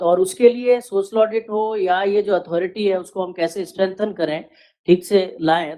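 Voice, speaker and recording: A woman's voice: mid-range voice, mellow. A woman giving formal remarks at a workshop, laying out her points one by one. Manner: measured, lists points one by one. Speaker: workshop participant.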